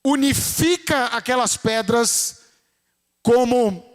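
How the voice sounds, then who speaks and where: High-voiced Brazilian preacher. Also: male voice, slow, in a large hall. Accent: Brazilian Portuguese. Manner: conversational preaching, rising to fervent shouts. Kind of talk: sermon. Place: church.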